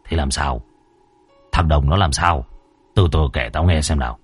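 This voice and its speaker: Brief: blunt old ghost-hunter master, voiced by a man, deep and husky. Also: normal speed, faint music behind. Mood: gruff. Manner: gruff, blunt. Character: gruff old ghost-catching master, teasing.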